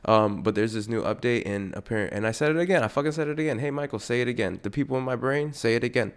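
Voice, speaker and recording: A man's voice: medium pitch, fast, smooth. A young man hosting a comedy podcast on his own, rambling, swearing a lot and interrupting himself. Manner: profane, rambling, self-interrupting. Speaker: podcast host. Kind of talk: solo comedic podcast rant.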